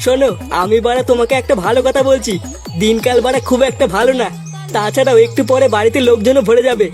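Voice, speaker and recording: A high, fast-talking cartoon father played by a man, short-tempered and foul-mouthed. He bosses and scolds like a comic tyrant, with clear music playing behind him. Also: steady tone. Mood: stern, wary. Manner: scolding, swearing constantly. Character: bad-tempered, foul-mouthed father bossing everyone before a party.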